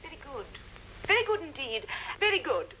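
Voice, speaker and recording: A woman's voice: high voice, very animated, normal speed, highs cut off, a little hiss or hum. An actress playing a doting, admiring wife who gushes over her husband, in a 1950s television drama. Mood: adoring. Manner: gushing, breathy admiration.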